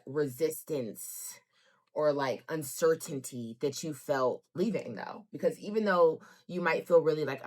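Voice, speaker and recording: A young woman hosting an interview in a chatty, casual way, full of fillers. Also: sits low. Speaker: host.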